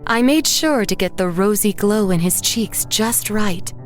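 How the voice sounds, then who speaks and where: A woman playing an anxious, haunted painter who tells her own story in measured, literary horror narration. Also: mid-range voice, animated, natural voice. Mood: brooding, haunted. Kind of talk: scripted first-person horror audio drama narration. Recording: music underneath the voice. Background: background music.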